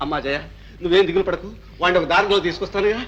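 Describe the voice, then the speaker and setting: A man's voice: high voice, fairly bright tone, lo-fi sound. An actor playing an exasperated father who grumbles and nags in an old film drama. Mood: grumbling. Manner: grumbling, rapid nagging. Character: exasperated fussy father, grumbling at his wife. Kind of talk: 1950s Telugu film acting.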